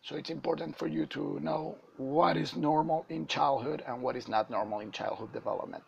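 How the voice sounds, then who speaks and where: A man with a hoarse voice from a flu, giving a halting lecture over slides to medical students. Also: fairly high pitch, fairly even intonation, a little mellow. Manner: halting, many uh fillers. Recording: dull lo-fi.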